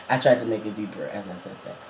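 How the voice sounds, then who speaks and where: Fairly low-pitched and fairly quick, this trans man's voice cracks and swings up and down as he chats casually for his vlog. He laughs a lot and uses many fillers, and the recording is reverberant with slight background noise.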